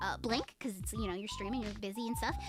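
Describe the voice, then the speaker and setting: Music playing behind a woman with an American accent. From US Northeast, Central New Jersey. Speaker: vtuber streamer. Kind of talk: casual chat. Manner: fast; loud.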